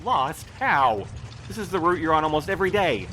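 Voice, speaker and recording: A man's voice: a little high, very animated, normal speed, sharp tone, a little hiss or hum. A man playing a stubborn, by-the-book postmaster in an audio drama, speaking in a formal, politely dry way. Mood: questioning. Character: prim, stubborn male postmaster, a by-the-book boss. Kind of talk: naturalistic audio drama acting.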